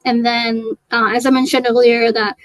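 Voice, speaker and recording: A woman's voice: fairly high pitch, flat delivery, moderate pace, no room sound. A young woman from Thailand, a native Thai speaker, chatting in an interview and talking hesitantly with many fillers and restarts. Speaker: guest. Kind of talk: casual interview chat.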